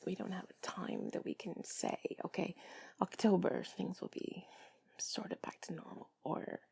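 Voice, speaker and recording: Breathy, whispering woman in intimate ASMR style. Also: lowish voice, steady tone, moderate pace, no echo. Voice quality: soft, breathy, mostly whispered. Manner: intimate, soothing, rambling and confiding. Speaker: intimate comfort audio creator. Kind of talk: cuddly whispered ASMR talk to the listener. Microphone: close mic.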